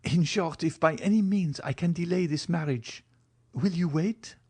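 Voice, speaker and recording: A man's voice: fairly high pitch, normal speed, vocal fry, a little mellow, slightly rough, voice pushed up. A man voicing a devoted, anguished young woman who pleads tearfully in an audiobook reading. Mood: impassioned.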